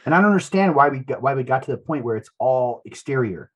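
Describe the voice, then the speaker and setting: A man's voice: mid-range voice, expressive, quick pace, slightly rough, highs cut off. A man with a Southern Californian accent in casual podcast chat, laid-back and peppering his talk with bro and dude.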